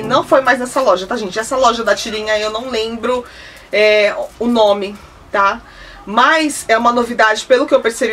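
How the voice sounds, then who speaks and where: A woman's voice: a little high, fairly bright tone. A woman, chatting enthusiastically at home about decor items she bought, holding each one up to the camera. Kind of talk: casual product haul chat. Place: indoor room, seated at home. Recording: slightly distant mic, faint hiss.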